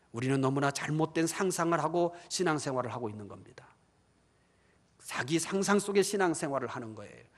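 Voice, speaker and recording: Animated male preacher in reverberant hall. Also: a little high. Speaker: pastor. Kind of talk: sermon. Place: church hall.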